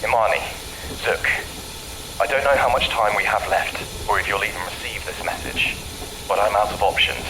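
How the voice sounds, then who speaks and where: An actor playing a grave, remorseful scientist and father, delivering a solemn, deliberate confession in an audio drama. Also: lowish voice, lively intonation, natural voice. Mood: desperate. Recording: clearly noisy recorded message.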